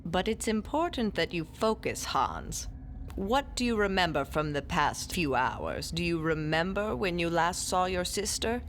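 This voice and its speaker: A woman voicing a stern older storyteller who leads a solemn ritual in an audio drama, speaking slowly and with measured weight. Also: lowish voice, sing-song, slight background noise. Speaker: narrator and ritual leader.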